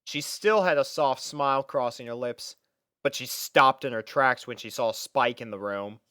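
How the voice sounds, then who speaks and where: A man's voice: medium pitch, moderate pace, sharp tone, clear, resonant tone, no echo, studio quality. A man reading scripted story narration as the narrator of a piece of fiction.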